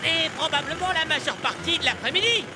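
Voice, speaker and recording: A tiny cartoon foreman creature, voiced by an actor, with a very high little voice. It gives orders in a bossy, matter-of-fact way and reassures like a seasoned tradesman, with loud music behind it. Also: a little fast, a crowd in the background, natural voice. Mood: reassuring, businesslike. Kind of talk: French-dubbed children's cartoon acting.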